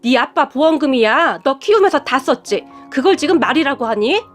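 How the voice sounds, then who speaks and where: Storybook figure: high-pitched sneering aunt, greedy and scheming, read by a woman narrator, faint music under. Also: animated, normal speed. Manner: sneering, taunting.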